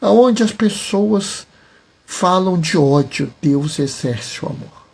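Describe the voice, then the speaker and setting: A man, a deacon giving a homily with slow, deliberate phrasing and emphatic pauses. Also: sits high, lively intonation, gravelly, a little mellow, breathy edge.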